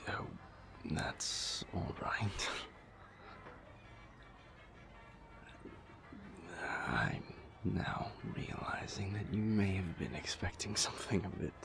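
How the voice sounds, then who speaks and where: A man voicing a seductive, weary, refined vampire lover in an intimate romantic audio roleplay, with a breathy, gravelly whisper and a languid, formal delivery. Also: low voice, big pitch swings, full character voice. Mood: hesitant, wistful. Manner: slow, languid, formal wording with pauses.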